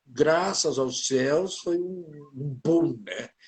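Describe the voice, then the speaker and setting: A man talks at a very slow pace in a fairly high pitch with ordinary pitch variation. Audible room echo surrounds his voice. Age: 70s. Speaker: voice actor. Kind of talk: interview.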